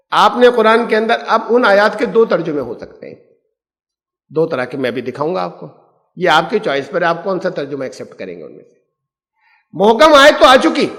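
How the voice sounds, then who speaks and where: A man's voice: fairly high pitch, a bit bright. A man teaching a Quran lesson as an Islamic scholar, explaining patiently and asking rhetorical questions. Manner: explanatory, poses rhetorical questions, mixes English terms. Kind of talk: Quran lecture. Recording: echoey hall reverb.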